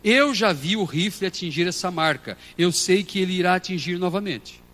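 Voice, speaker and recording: A Brazilian man preaching a sermon as pastor, moving between quiet storytelling and loud shouted passages. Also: high voice, expressive, normal speed. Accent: Brazilian Portuguese. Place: church hall.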